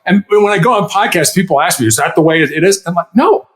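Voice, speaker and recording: A man's voice: high-pitched, quick pace, a bit bright. A man, a guest and former hostage negotiator, talking casually in a podcast interview and explaining with examples, full of "you know" fillers.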